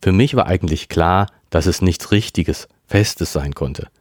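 A thoughtful teenage girl who opens up quietly, as a man reading a story puts her on. Her lines sit above a very low baseline. The recording is close and dry. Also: a little slow, no echo. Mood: thoughtful, confiding. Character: teenage girl, reflective and open.

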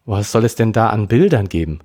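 A man voicing a caring, teasing teenage brother in a story, in a low, husky voice. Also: sing-song, fairly quick. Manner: gentle, teasing.

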